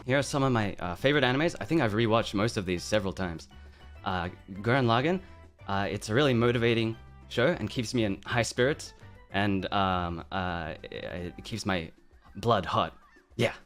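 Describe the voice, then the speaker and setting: A man who speaks English as his first language chats casually on a live stream about his likes and interests. He opens playfully with mock toughness, then rambles through asides and fillers. His voice is on the low side and a bit bright at a normal speed, with faint music behind him.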